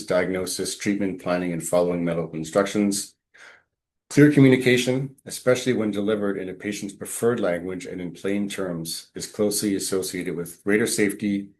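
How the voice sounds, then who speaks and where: Deep low guy doing a webinar talk over a video call, steady, lots of ums. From Quebec. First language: English. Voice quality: deep, measured, with frequent ums. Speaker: webinar presenter, patient navigation coordinator. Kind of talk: presentation with slides.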